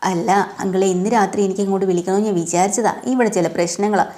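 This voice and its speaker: Naive young man, woman reading, earnest, quick. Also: medium pitch, fairly even intonation, mellow, natural voice.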